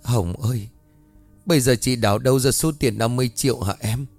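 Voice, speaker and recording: A poor village wife, voiced by a male storyteller, begs and frets in an earnest, tearful way. Her plea stays close to the narrator's own middle voice. Soft music runs faintly behind. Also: medium pitch, fairly quick, creaky. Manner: pleading, tearful.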